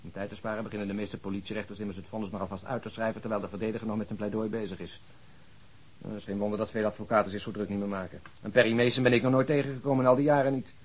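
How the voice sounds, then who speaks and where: An actor playing an impatient, sardonic, world-weary police detective in a radio drama, blunt in manner. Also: male voice, fairly low pitch, steady tone, rapid-fire, a little hiss or hum, natural voice. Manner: blunt, dryly sarcastic.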